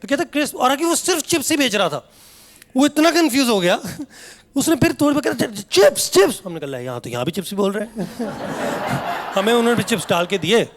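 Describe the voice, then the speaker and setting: A young man performing a stand-up comedy set, telling family stories and acting out his relatives in an animated way. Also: extremely high pitch, fairly quick, a little hiss or hum. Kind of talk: stand-up routine. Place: comedy stage before a live audience.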